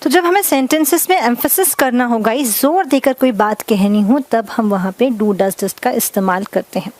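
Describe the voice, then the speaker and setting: A woman teaching English grammar in a classroom lesson, explaining slowly, mixing Hindi and English, and often checking whether students follow. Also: on the high side, darkish tone.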